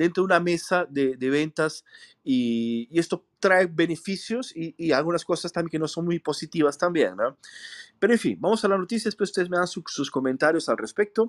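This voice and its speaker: A moderate pace and lively intonation, with a dry, close sound with no echo on a very clean recording over a silent background. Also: man, high pitch for a man. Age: 40s. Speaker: podcast host. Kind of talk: casual chat.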